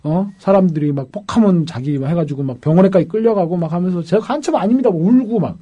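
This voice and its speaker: A man, a defense lawyer, telling a case story in a lively panel talk and acting out the people he quotes. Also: high-pitched, quick pace, muffled recording.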